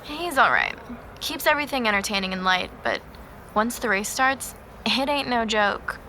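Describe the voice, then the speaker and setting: A woman's voice: fairly high pitch, sing-song, normal speed, noisy background. An actress playing a savvy young woman, a racer's supportive girlfriend, casual and practical in an audio drama. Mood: wry. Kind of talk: acted audio drama dialogue.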